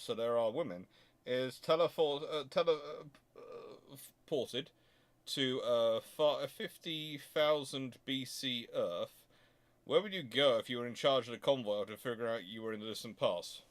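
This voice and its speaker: Man, medium pitch, history channel host, off-the-cuff answers, halting, thinking aloud, rephrasing often. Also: animated. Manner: halting, thinking aloud with repeated self-corrections. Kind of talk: off-the-cuff answers to listener questions.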